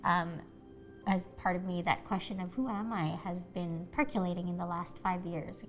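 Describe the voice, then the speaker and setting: A woman's voice: fairly low pitch, fairly even intonation, moderate pace. A young woman, speaking English as an after Bisaya. She talks in an earnest, reflective way in a documentary interview, with faint music underneath. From Philippines. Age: 20s. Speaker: actress.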